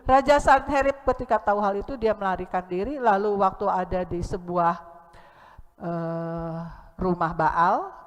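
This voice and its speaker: A woman's voice: medium pitch, in a large hall. A woman preacher with an Indonesian accent, giving an impassioned sermon that swells to emphatic peaks. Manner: acts out dialogue with a child.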